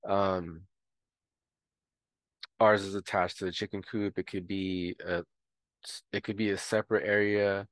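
Deep-voiced man, relaxed and rambling. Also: dry recording. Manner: relaxed, rambling with many fillers. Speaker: homestead educator. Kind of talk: casual tutorial voice-over.

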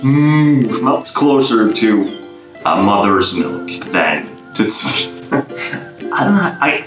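A young man with a Swedish accent doing a casual quiz vlog, playful and laughing often as he sounds words out slowly, recorded on a webcam in a small bare room. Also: mid-range voice. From Sweden. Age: young adult. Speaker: YouTuber. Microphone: webcam framing, head and shoulders. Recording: echoey bare room, faint guitar music.

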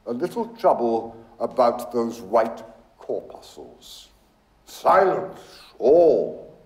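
A man voicing a jaunty, mocking young man who intones in a mock-priestly manner, brisk and gay. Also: medium pitch, very animated, a little mellow, echoey room. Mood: preaching.

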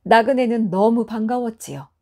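A woman narrating a traditional folktale for an audiobook in a gentle storytelling manner. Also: a little high, normal speed.

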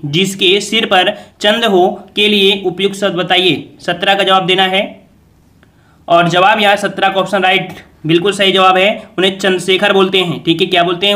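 A man's voice: sits high, bright, forceful tone. A man teaching an exam revision lesson, quizzing viewers and repeating each answer as a question.

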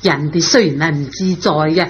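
A woman's voice: deep voice, fairly even intonation, normal speed, natural voice. A woman playing a patient, indulgent middle-aged mother in a radio drama, matter-of-fact and placating. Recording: dull lo-fi radio recording.

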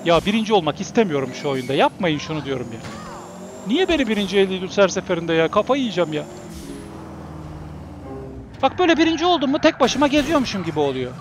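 A man in his forties chatting bluntly while playing a game, swearing freely and breaking into excited shouts. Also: sits high, fast, pauses often, over music. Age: 40s. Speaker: gaming streamer. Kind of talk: casual gameplay commentary.

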